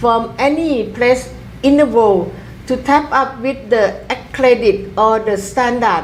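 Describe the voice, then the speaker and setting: A woman with a high pitch speaks very slowly amid noticeable background noise and audible room echo. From Thailand. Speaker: researcher. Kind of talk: interview. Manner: halting.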